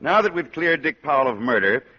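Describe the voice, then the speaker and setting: A man's voice: on the high side, sing-song, a little fast, over a noisy crowd, very noisy. A man hosting a 1940s radio drama with genial, polished announcer patter. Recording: dull lo-fi 1940s radio broadcast.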